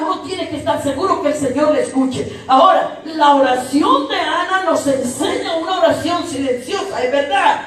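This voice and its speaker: A woman preacher delivers an emphatic sermon in a high voice, stacking repeated phrases and talking directly to the people. The sound comes from well back in a church hall with heavy echo. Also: a little mellow. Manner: emphatic, repetitive, addresses congregation directly. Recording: very echoey hall, distant mic.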